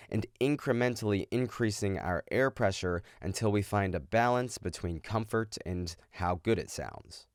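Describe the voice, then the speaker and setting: Male vocal coach, low voice, casual explanatory narration, dry studio-like sound. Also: clean tone, no echo. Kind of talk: instructional narration of screaming exercises.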